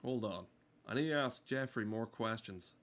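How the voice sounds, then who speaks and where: A man's voice: fairly low pitch, moderate pace, a bit bright. A man giving casual, rambling gameplay commentary in a sardonic, exasperated and sweary way. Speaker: game streamer.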